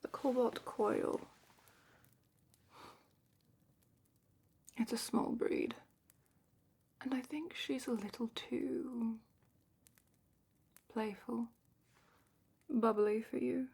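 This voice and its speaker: A woman playing a calm, patient dragon keeper guiding a student, in a gently wry, soft whisper for a fantasy ASMR roleplay, close to the microphone. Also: on the high side, slow, pauses often, full character voice. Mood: gentle, considering. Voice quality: breathy whisper and soft-spoken murmur.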